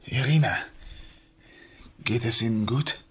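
An actor playing a considerate, awkward young male police inspector in an audio drama, speaking haltingly. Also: mid-range voice, a bit bright. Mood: gentle, awkward. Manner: hesitant, halting.

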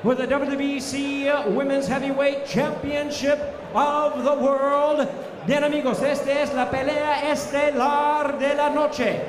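An older male ring announcer pitched very high, stretching his words with lucha libre showmanship. His voice rings heavily around a big arena over a loud crowd. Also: little pitch movement, a little slow, very echoey, big-room sound, background noise. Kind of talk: bilingual boxing ring announcing in Spanish and English. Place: in the ring of a large indoor boxing arena. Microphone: handheld microphone.

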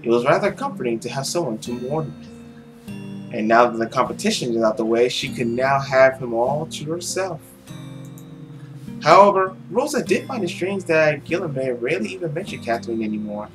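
A man's voice: mid-range voice, animated, normal speed, rough recording. A young man reading visual novel text aloud expressively, with his own commentary. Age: young adult. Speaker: video game player and narrator. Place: small room at home, indoors. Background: game music.

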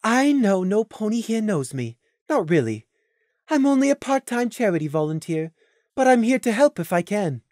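A woman puts on a refined female unicorn from a fantasy story. Her voice is smooth and musical, with lively intonation. She speaks calmly, patiently and with humble earnestness. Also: mid-range voice, normal speed, no echo, studio quality, voice pushed up, close to an everyday voice. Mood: polite, hesitant.

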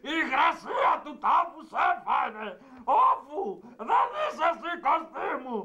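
A man plays a frantic old mother whose piercing, very high voice swings wildly up and down. She shrieks and calls for help in a bright, cutting tone. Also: very animated, highs cut off, a faint crowd, full character voice. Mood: startled. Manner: shrieking, panicky, calling for help. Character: shrill hysterical old Cretan mother. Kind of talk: comic dub acting.

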